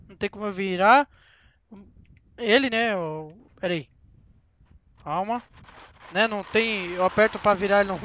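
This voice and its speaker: A young man with a Brazilian Portuguese accent giving chatty, excitable commentary on a driving game straight to his viewers. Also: sits high, a little hiss or hum. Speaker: gaming channel host. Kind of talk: casual gameplay commentary.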